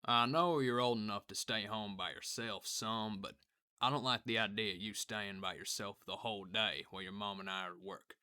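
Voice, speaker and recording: A man playing a caring, easygoing working-class dad in an audio drama, talking casually with gentle humour. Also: fairly low pitch, steady tone, normal speed, clean tone.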